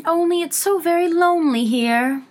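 Woman as high-voiced, polite little storybook girl. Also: huge pitch swings, normal speed, fairly bright tone, heavily acted. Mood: lonely. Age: child. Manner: polite, earnest.

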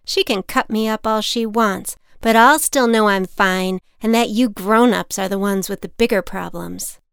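A woman's voice: medium pitch, normal speed, vocal fry, clean tone, no echo, clean studio sound, natural voice. A woman voicing a defiant young boy who argues back at an adult. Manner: indignant, argumentative.

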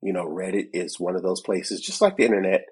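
A man's voice: low voice, a little fast, a little mellow, breathy edge. A man co-hosting a tech podcast in casual chat, a bit congested from a cold, who laughs often and acts out both sides of conversations. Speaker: podcast co-host.

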